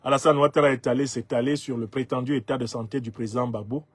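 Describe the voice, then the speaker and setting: Husky Cameroonian man in his fifties. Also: mid-range voice, fairly even intonation, fast talker, dry recording. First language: Bassa. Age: 50s. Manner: emphatic, rhetorical, laughs at his own jokes. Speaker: commentator reading viewer comments. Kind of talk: commentary on social media comments.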